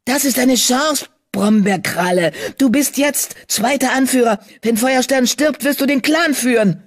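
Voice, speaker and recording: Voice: medium pitch, sing-song, slow pace, creaky, breathy edge, exaggerated voice. An audiobook reader voicing a scheming young male warrior cat who sneers and hisses at his rivals. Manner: sneering, hissing.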